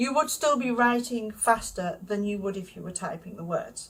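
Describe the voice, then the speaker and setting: This woman has a plain, everyday voice at a fairly high pitch. She keeps a moderate pace. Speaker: author and writing YouTuber. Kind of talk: tutorial.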